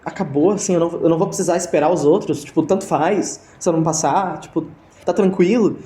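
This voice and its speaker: Speaking fast in a slightly high, warm voice, this young Brazilian guest recounts a story during a laid-back video-call interview. He hesitates often, restarting and filling gaps as he goes. His Brazilian Portuguese accent comes through, and the room sounds reverberant.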